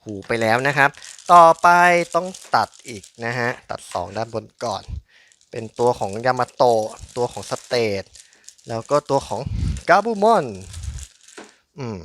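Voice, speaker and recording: A man's voice: on the high side, pushed and bright. A man giving casual, chatty unboxing commentary in an informal but polite way. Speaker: toy unboxing channel host.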